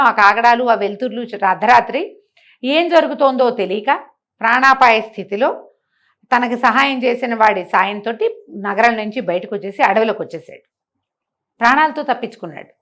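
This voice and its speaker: An older woman telling a traditional story in a chatty, animated way, adding her own comments. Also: a little high. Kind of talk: oral storytelling with asides.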